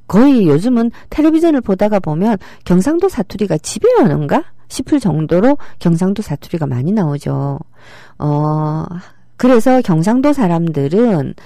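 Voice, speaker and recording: A woman's voice: on the low side, warm tone, no echo, studio quality. A middle-aged woman giving a public lecture, explaining with rhetorical questions and acting out quoted speech.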